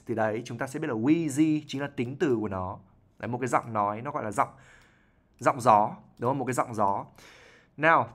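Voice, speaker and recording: A man's voice: mid-range voice, fairly bright tone. A man, an IELTS teacher explaining English words from a novel, often checking in with "right?" and repeating himself. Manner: explanatory, frequent "right?" tag questions and repetitions.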